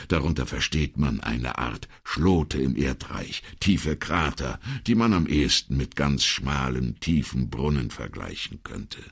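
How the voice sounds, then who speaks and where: A man voicing an elderly male jewel dealer who explains things slowly in a lowered, lecturing tone. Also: gravelly, breathy edge, exaggerated voice. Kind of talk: audiobook character reading.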